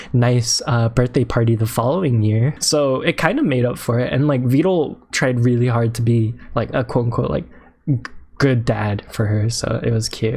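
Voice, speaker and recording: This man has an unremarkable speaking voice, medium in pitch with ordinary pitch variation, moving at a fairly slow pace. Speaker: VTuber streamer. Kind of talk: casual reaction commentary.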